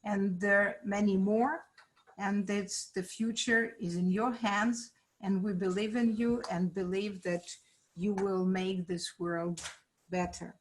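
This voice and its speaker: Slow, halting woman presenter. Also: medium pitch, steady tone, low-quality recording. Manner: halting, with many fillers and restarts. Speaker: event presenter. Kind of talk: formal welcome speech.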